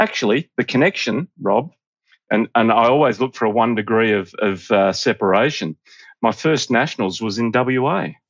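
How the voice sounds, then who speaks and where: With an Australian accent, a man talks at a moderate pace and medium pitch, using ordinary pitch variation. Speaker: veterans cricket organiser. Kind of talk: interview.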